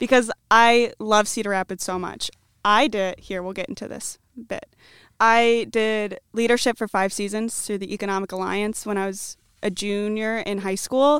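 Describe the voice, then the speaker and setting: Heard in a very clean recording with a silent background, a woman with a Midwestern accent speaks at a moderate pace in a fairly high pitch, with fairly even intonation. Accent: general American, Midwestern. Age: 20s. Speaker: guest working in theatre promotion. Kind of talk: casual chat.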